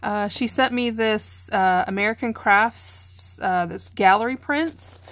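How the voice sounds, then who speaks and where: A woman's voice: medium pitch, slow pace, fairly bright tone. A middle-aged woman, tired and chatty, gushing over craft supplies in a casual vlog. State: tired, yawning. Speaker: craft channel host. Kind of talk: casual show-and-tell vlog.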